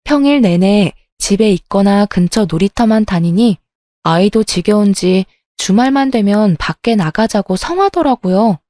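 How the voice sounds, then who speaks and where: A woman's voice: mid-range voice, lively intonation, normal speed, mellow, no echo. A woman reading a first-person family story in a confiding, emotional way.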